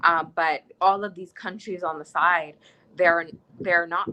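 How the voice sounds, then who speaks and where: A woman's voice: on the low side, fairly even intonation, measured pace, bright, forceful tone, a little hiss or hum, low-quality recording. A young woman from the United States speaking in an interview, earnest and impassioned, often restarting her sentences. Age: young adult. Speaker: interviewee, student. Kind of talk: conversational interview.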